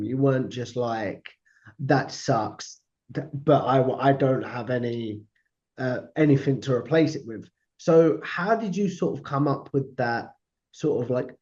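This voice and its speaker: A man hosts a casual podcast interview, asking loose, conversational questions. His voice is mellow and warm, sitting at an ordinary middle pitch. The recording sounds dull and lo-fi. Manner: brief murmured acknowledgements, loose questions. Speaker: podcast host.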